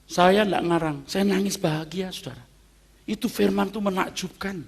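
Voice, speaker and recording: A man preaching a sermon as pastor, emphatic, jumping from loud exclamations to soft asides. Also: high-pitched, steady tone, normal speed, vocal fry, breathy edge.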